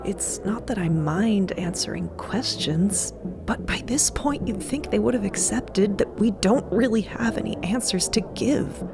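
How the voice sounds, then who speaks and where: A woman's voice: medium pitch, unhurried, creaky. A woman voicing a frustrated, worn-down botanist, venting in an audio drama. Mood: exasperated. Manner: venting, exasperated. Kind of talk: audio drama character acting. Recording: loud music under the voice.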